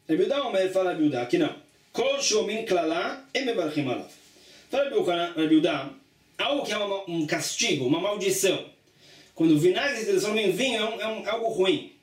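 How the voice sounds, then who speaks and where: A man with a high voice teaches a religious study lesson. He reads a passage, then explains it in plain, repetitive steps. He is recorded from a distance in an echoey room. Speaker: Talmud teacher.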